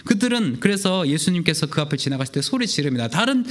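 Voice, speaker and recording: A young man preaching a sermon as a youth pastor, telling the story with lively storytelling and acting out the voices of the people in it. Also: on the high side, fast.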